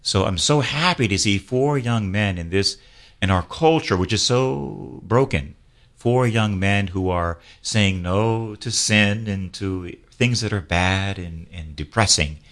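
A man's voice: deep voice, a bit bright. A man, a priest, hosting a radio talk show, earnestly exhorting and leading call-and-response prayer.

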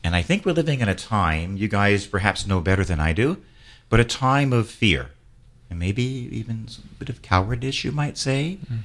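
A man's voice: lowish voice, lively intonation, normal speed, a bit bright. A man, a priest, hosting a radio talk show, earnestly exhorting and leading call-and-response prayer.

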